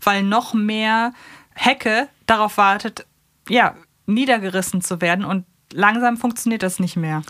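A woman's voice: mid-range voice, unhurried, a bit bright, no echo, clean studio sound. A woman co-hosting a podcast, chatting casually and explaining things in a conversational way. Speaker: podcast co-host.

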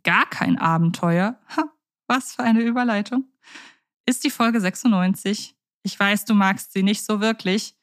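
A woman's voice: medium pitch, a little slow. A woman co-hosting a podcast, talking in a chatty way and thinking aloud with fillers. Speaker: podcast co-host. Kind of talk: casual podcast discussion.

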